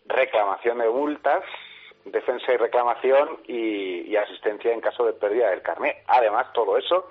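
A male radio contributor reports conversationally over a tinny telephone line. His voice is husky and average in pitch, and he moves haltingly, checking in with little tag questions. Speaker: motorcycle news contributor on radio.

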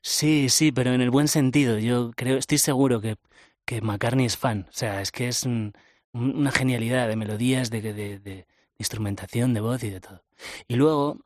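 A man's voice: mid-range voice, normal speed, darkish tone, no room sound. A man with a Castilian Spanish accent chatting casually as a musician being interviewed. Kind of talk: casual chat.

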